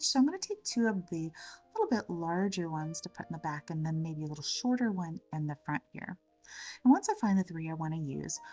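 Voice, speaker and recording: A woman with a slightly scratchy voice from a cold, gently narrating a step-by-step craft tutorial in a chatty way. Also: fairly low pitch, far from the mic. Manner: gentle, chatty, fond of the word little. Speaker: craft channel host.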